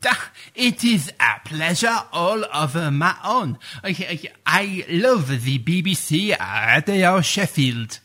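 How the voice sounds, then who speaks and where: A man's voice: high voice, animated, takes it slowly, bright, forceful tone, heavily acted. A man playing a pompous, flustered playwright guest, who hesitates and stammers through a comedy radio sketch. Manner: hesitant, full of "uh"s, stammers, grandiose phrasing.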